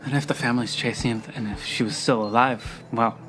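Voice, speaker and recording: Tabletop game role: brash spacefaring woman, wary, colloquial, sharp-tongued male performer. Music underneath. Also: mid-range voice, steady tone, brisk, lightly acted. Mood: probing, sardonic. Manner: blunt, colloquial, sardonic. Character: brash, exasperated woman ship owner, wry and wary.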